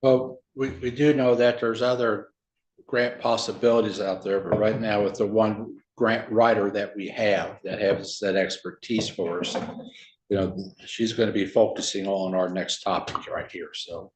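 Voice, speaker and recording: A man with a fairly low voice briefs a county board in an echoey meeting room. He talks informally and lets his sentences trail off with "so" and "you know." The room rings around his voice. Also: fairly even intonation, moderate pace. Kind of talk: public meeting discussion.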